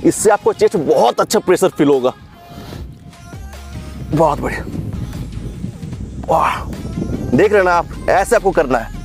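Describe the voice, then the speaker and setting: A man's voice: on the high side, animated, unhurried, vocal fry, long pauses, soft background music. A young man coaching a bodyweight chest workout, giving short commands while counting reps, recorded outdoors in an open field. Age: young adult. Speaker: fitness coach. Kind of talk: workout instruction.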